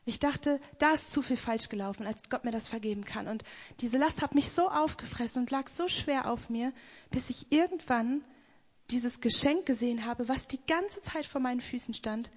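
A young woman giving an emphatic spoken-word devotional testimony. She slows right down for the lines she quotes. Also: a little high, husky.

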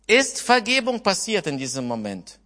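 A man's voice: high-pitched, huge pitch swings, normal speed, sharp tone, long reverb tail. A man preaching a sermon, earnestly retelling scripture and putting questions to his listeners. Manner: earnest, retells scripture with quoted dialogue, asks the congregation questions.

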